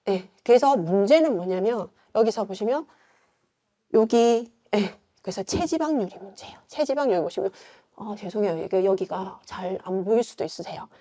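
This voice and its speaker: A woman's voice: mid-range voice, animated, moderate pace, dark tone. A middle-aged woman with a Gyeongsang accent, giving an informal lecture as a yoga instructor, chatty and full of rhetorical questions. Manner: chatty, conversational, frequent fillers and rhetorical questions.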